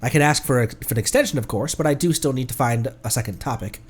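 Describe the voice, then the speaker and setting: A man voicing an earnest young male scholar in training, reading the game lines in a measured, explanatory way. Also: medium pitch, slightly rough, pitched below the performer's own voice, close to an everyday voice. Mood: explaining.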